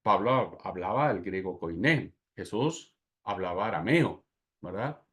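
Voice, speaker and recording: A man from Mexico with a Mexican Spanish accent, teaching a Bible class and telling anecdotes in a lively lecture manner. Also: low voice, measured pace. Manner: animated storytelling with laughs and asides.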